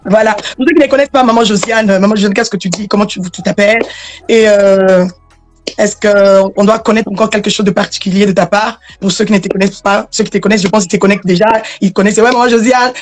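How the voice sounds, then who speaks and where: A woman's voice: mid-range voice, steady tone, fast. Woman host of a faith live chat, video call, faint music, lots of amens. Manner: warm greetings and frequent amens. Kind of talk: casual live-stream chat.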